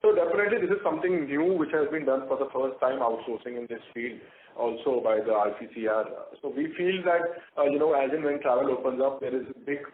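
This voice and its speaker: A man's voice: medium pitch, fast talker. A man with an Indian accent, a company executive answering questions on a conference call with hesitant, filler-heavy phrasing. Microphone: phone conference call. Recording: echoey, noisy, tinny phone line.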